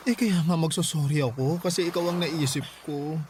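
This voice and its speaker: A man playing an effeminate, lovestruck gay parent in an expressive Filipino radio drama style. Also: on the high side, a little fast, a little hiss or hum, natural voice. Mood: apologetic.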